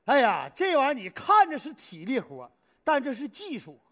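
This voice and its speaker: A man's voice: very high-pitched, huge pitch swings, normal speed, a bit bright. A man with a Northeastern Mandarin accent playing a boastful, hearty local host in a stage comedy sketch. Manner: boastful, hearty, eager to please.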